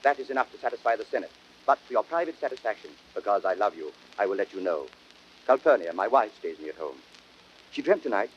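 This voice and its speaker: A man playing a proud, stubborn Roman ruler with a husky voice, declaiming imperiously in classic Shakespearean style. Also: lowish voice, big pitch swings, fast, long pauses, slight background noise. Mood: confiding. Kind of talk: classic Shakespearean radio acting. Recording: dull lo-fi old audiodrama record.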